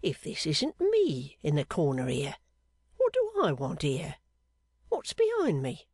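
A narrator voicing an odd, sharp-eyed male clerk who speaks low and confidingly, teasing with questions. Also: wildly swooping pitch, unhurried, dry recording, clean studio sound, exaggerated voice. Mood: puzzled. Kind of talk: audiobook character voice.

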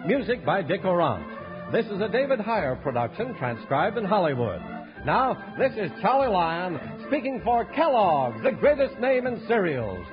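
A man's voice: sits high, very animated, normal speed. A man delivering polished, emphatic announcements in the manner of a 1950s radio announcer. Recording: muffled vintage radio recording, loud music.

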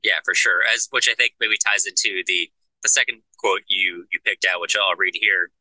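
Casting: man, lowish voice with a very bright, forceful edge, calm explainer on a book podcast. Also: moderate pace, no room sound, rough recording. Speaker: podcast co-host discussing a novel. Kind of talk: casual book discussion.

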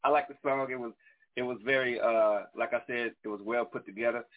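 A man's voice: medium pitch, fairly even intonation, brisk, narrow, tinny audio. Rambling male caller from Louisiana. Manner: rambling, fillers like "you know". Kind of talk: casual call-in chat.

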